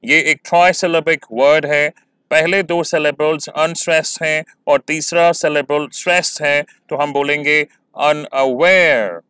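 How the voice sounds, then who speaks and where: A man teaching exam-prep poetry lessons, talking slowly and stretching words to show syllable stress. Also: a little high, level tone, bright, forceful tone, smooth, no echo, studio quality.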